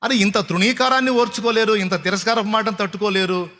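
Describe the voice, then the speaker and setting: A man's voice: high-pitched, fairly even intonation, quick pace, pushed and bright. A man preaching a sermon, firing rhetorical questions at his listeners and mocking their complaints.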